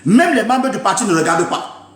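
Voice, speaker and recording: A man's voice: high voice, very animated, a little fast, fairly bright tone, echoey room. A man giving an impassioned political rant, emphatic and scolding, repeating his points to his listeners. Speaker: political commentator. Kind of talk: impassioned live-stream rant.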